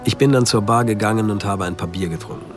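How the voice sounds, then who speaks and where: An actor playing a sober, reflective friend who narrates events in a first-person radio drama. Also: male voice, lowish voice, quick pace, music in the background, lightly acted. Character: lonely man's friend recounting events soberly.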